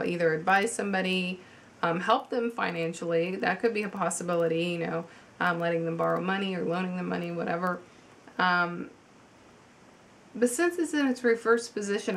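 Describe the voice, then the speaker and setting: Woman with a cold, mid-pitched, reading tarot at home; casual, halting, lots of ums. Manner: chatty, halting with many ums and restarts. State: has a cold, slightly congested. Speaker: tarot reader.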